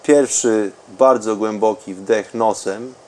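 A man speaking in a calm, unhurried, soothing way with long pauses, as a podcast host and meditation guide. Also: lowish voice.

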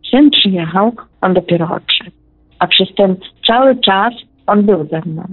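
This caller has a mid-range voice and speaks a little slowly in a dry recording, heard through a tinny telephone. She's a widow on the verge of tears, talkative and emphatic as she tells her personal story and often repeats herself.

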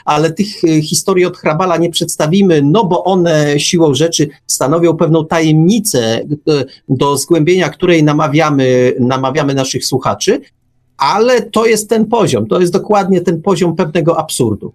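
A man's voice: a little high, normal speed, darkish tone. A man hosting a radio talk show, speaking thoughtfully with frequent hesitations. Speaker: radio host.

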